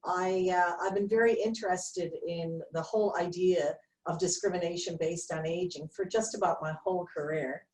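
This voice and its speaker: A woman's voice: fairly low pitch, fairly even intonation, moderate pace, a little mellow. A woman in her sixties from Canada, telling a friendly story during a video-call town hall. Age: 60s. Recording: roomy, distant from the mic.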